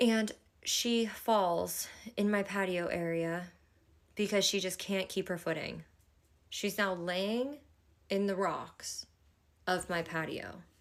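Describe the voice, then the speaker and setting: Very slow speech from a woman at medium pitch, with long, frequent pauses, fairly even intonation, and a very clean recording over a silent background. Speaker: TikTok storyteller. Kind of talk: storytime vlog. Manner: lowered voice; casual, filler-heavy.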